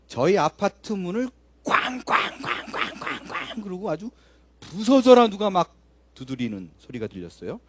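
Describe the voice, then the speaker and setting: A man's voice: a little high, a little mellow. A man in his fifties, a pastor telling a story in a conversational sermon. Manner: conversational, vivid storyteller acting out scenes.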